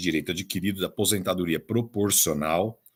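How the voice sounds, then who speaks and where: In a very clean recording with a silent background, a man with a plain, everyday voice talks at a fairly low pitch and moderate pace. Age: 50s. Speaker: retirement law advisor. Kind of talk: live stream Q&A talk. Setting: live stream. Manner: casual, conversational.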